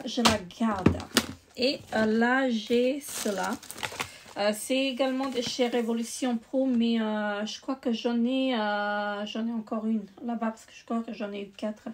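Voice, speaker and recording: A woman's voice: a little high, background noise. A woman beauty vlogger chatting casually while showing her makeup, with lots of hesitations and restarts. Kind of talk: casual chat.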